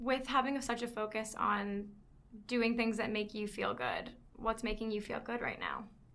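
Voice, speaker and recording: At a moderate pace, a woman talks at a fairly high pitch in a monotone, flat intonation. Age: 20s. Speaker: podcast host. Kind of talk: casual interview.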